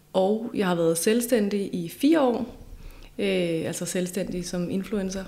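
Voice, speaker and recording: A woman's medium-pitched voice at a fairly slow pace, with ordinary pitch variation and audible room echo. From Denmark, South Zealand. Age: 40s. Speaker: Instagram influencer. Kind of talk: casual interview chat.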